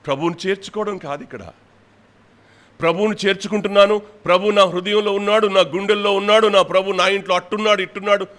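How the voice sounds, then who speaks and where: A middle-aged man preaching a sermon, his voice pitched high for a man. He scolds his congregation with pointed rhetorical questions, rising loud one moment and dropping quiet the next. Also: fairly even intonation, fast talker. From India. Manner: rebuking, rhetorical questions, swings between loud and soft. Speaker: pastor.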